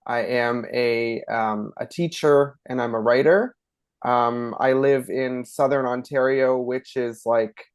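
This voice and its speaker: A man in his thirties from Canada, a schoolteacher talking as a podcast guest in a relaxed, chatty way with many ums. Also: medium pitch. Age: 30s. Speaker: guest, elementary school teacher. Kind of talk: casual interview talk.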